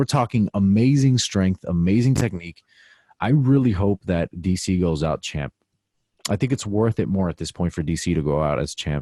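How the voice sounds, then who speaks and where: An American-accented man's very deep, low voice with a dark, mellow tone and lively intonation, at a moderate pace, dry and close with no echo, in a very clean recording with a silent background. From Miami, Florida. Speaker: podcast host. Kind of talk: casual chat. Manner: animated.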